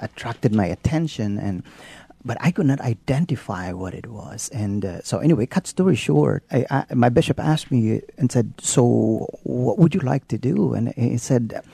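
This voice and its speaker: A man with a Filipino accent, a Catholic priest telling his life story in an interview, unhurried and halting with many pauses and restarts. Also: medium pitch, lively intonation, gravelly, mellow, slightly rough, no room sound. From Philippines. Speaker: Catholic priest, hospital spiritual care director.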